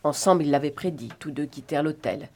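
A woman narrating a novel in an expressive, dramatic reading. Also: deep voice, quick pace. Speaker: audiobook narrator.

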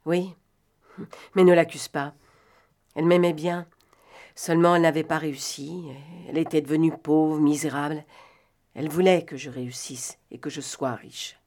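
A weary, guilt-ridden young adventuress murmuring a confession, as a woman reading the novel voices her. Her very low voice drops softer still and sounds exhausted. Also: steady tone, moderate pace, pauses often, natural voice. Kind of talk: audiobook reading.

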